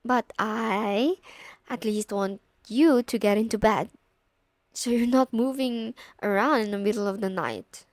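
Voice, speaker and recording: Casting: actress as a friend's bossy older sister, young, teasing and coy, unhurried delivery, close dry sound for ASMR roleplay. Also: female voice, a little high, no room sound, close to an everyday voice. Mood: tired, insistent. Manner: casual, teasing, coy, lightly exasperated. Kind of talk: intimate ASMR audio roleplay.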